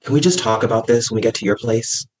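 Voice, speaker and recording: A man's voice: medium pitch, fast, close to an everyday voice. A man playing a sassy, dramatic young gay man. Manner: campy, profane and theatrical. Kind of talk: comedy script table read.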